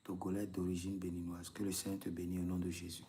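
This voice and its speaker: A man's voice: deep voice, monotone, fast talker, dark tone, slight background noise. A man, a prophet leading a live prayer session, repeating intense commands and breaking into tongues.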